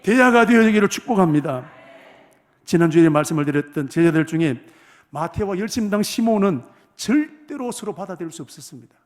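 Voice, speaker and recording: Pastor guy preaching in church, kinda high voice, quiet one sec then loud, keeps asking the room questions. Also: lively intonation, fairly quick. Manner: asks the congregation rhetorical questions, loudness swings from hushed to forceful. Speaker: senior pastor. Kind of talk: sermon. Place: church sanctuary.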